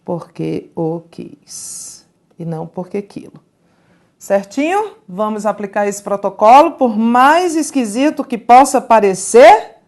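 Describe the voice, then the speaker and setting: Woman, grammar teacher, slow, slightly high voice, asks and answers her own questions. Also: darkish tone. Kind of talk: recorded grammar lesson.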